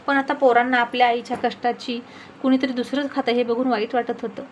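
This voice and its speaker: Woman storyteller, dramatic emotional narration, high-pitched, faint hiss. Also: poor audio.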